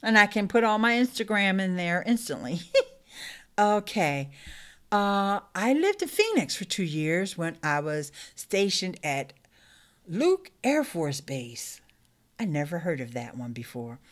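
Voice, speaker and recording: A woman's voice: lowish voice, very animated, measured pace, fairly bright tone. A middle-aged woman hosting a casual live stream, chatting upbeat with her viewers and laughing often. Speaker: YouTube live stream host. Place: small room indoors.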